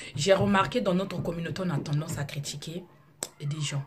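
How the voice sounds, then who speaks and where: A woman is speaking. She has a Congolese accent. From Congo (Brazzaville). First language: Lari (speaking French). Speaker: YouTuber / vlogger. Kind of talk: casual vlog monologue. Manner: halting, many repetitions and hesitations.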